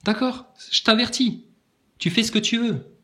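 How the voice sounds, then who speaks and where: A man delivering a combative, mocking monologue aimed at his commenters, with big swings in pitch. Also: moderate pace, pushed and bright. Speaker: online commentator.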